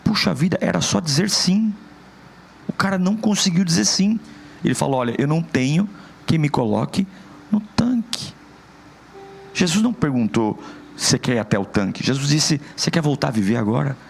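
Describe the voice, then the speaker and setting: A man's voice: on the high side, animated, brisk, vocal fry, breathy edge. A man preaching a sermon as a pastor, impassioned and acting out the people he quotes.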